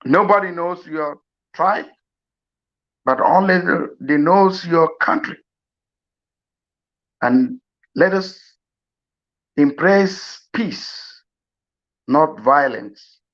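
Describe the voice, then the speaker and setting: A man from South Sudan giving a slow, earnest farewell address, pleading with many pauses. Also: a little high, a bit bright. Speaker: mourner giving a eulogy. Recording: dull lo-fi recording.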